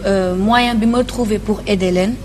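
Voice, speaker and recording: A woman's voice: mid-range voice, fairly even intonation, moderate pace, a little mellow, slight background noise. A young woman from Senegal, guest on a TV morning show, talking hesitantly with many fillers and switching between French and Wolof. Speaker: guest, author and TV presenter. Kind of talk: casual TV interview. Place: TV studio set.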